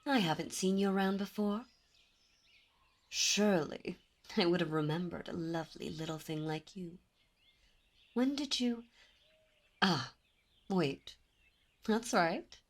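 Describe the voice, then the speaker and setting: A haughty demon princess, voiced by a woman, teasing and imperious as she draws her listener close. Her voice sits a little low and moves at an unhurried, slow pace. Faint birdsong drifts in the background. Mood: amused. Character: haughty seductive female demon princess, commanding. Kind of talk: ASMR roleplay audio.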